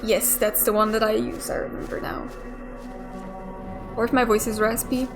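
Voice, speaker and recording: Game music plays clearly in the background as a young woman does casual let's play commentary, musing aloud and occasionally cursing. Her voice is a little high, her delivery flat, and she speaks at a normal speed.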